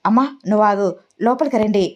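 A woman's voice: mid-range voice, quick pace, darkish tone, lightly acted. Patient adult son, level and explaining, read by a woman storyteller. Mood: calm. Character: calm grown son of the family.

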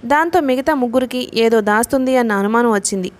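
A woman reading a novel aloud in a steady storytelling manner. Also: fairly high pitch, fast. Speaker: audiobook narrator.

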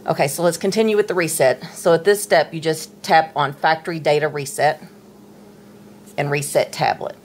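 Brief: middle-aged woman, low voice, patient tutorial host narrating hands-on steps, faint hiss. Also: fairly even intonation, normal speed. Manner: patient, chatty, talks while handling the device. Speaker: tech tutorial presenter. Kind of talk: casual step-by-step tutorial. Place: indoors at a table, dim room.

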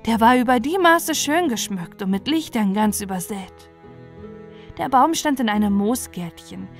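A woman storyteller giving an expressive bedtime fairy-tale narration. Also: on the high side.

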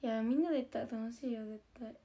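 Young female idol, casual chatty talk, higher mellow voice, giggly and repetitive. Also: quick pace. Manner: chatty, giggly, repeats herself a lot. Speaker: idol group member. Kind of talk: casual chat to viewers.

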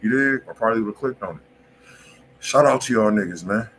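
A man with an American accent hosting a livestream, chatting in casual slang and pitching insistently, often repeating himself. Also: brisk, fairly bright tone, a little hiss or hum. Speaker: music review stream host. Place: indoor room on a livestream.

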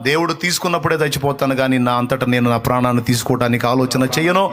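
A man's voice: medium pitch, very fast, a bit bright. A male pastor preaching a fervent live sermon, impassioned and repeating phrases as he rebukes.

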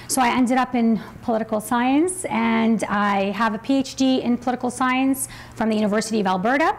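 A woman, introducing herself as an academic panelist in a measured, careful, halting way. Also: on the high side. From born in Iraq, raised in Canada from age nine. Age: 30s. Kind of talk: formal self-introduction. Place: seated on stage in a conference room.

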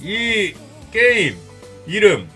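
A man with a fairly high, bright voice streams a game in casual, teasing chat. His pitch jumps about as he jokes in crude slang, with music underneath. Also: very animated, very slow. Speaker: live streamer.

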